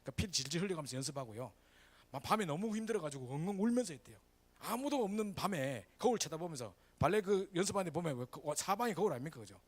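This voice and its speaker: A man's voice: on the high side, fast talker. A male pastor, preaching a sermon in a church and often checking in with the congregation. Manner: lively, animated preaching with frequent "그죠?" asides to the congregation. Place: church sanctuary.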